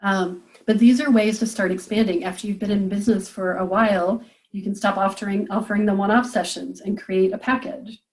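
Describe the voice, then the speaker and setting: A woman's voice: mid-range voice, a little mellow, low-quality recording. A woman business coach leading a group coaching call, encouraging and thinking aloud with frequent fillers.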